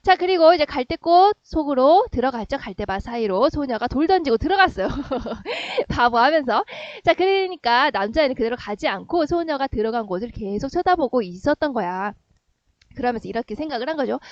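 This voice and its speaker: A high-pitched woman teaching a literature lesson to middle schoolers, animated and quick to act out the characters' words. Her voice sits close and dry, with a slightly muffled, lo-fi sound. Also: no echo. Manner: lively, acts out characters' lines in quick bursts. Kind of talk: explaining a novel for a middle school class.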